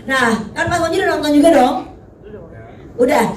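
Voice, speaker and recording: High-voiced chatty woman host. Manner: lively, chatty, quick follow-up questions. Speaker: press conference host. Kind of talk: moderating a press conference. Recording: distant echoey room, noisy.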